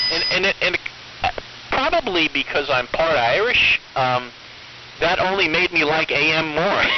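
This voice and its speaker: A man with an American accent and high pitch, at a moderate pace with long, frequent pauses, very even loudness, lively intonation and noticeable background noise. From US Northeast (Long Island, New York). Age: 60s. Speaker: amateur radio operator. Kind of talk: casual chat. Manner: halting, many fillers.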